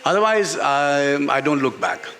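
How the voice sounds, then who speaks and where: A man's voice: on the high side, big pitch swings, measured pace, a bit bright. A man with a Pakistani accent answering at a live book talk as an author, often stopping and repeating words and phrases for emphasis. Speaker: author and journalist being interviewed. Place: literary festival stage in a garden venue.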